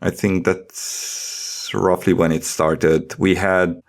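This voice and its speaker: A man with a quite low-pitched voice chats as a podcast co-host. He explains his points informally, working through examples in a tentative, conversational way. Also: flat delivery, slow, gravelly. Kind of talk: casual podcast discussion.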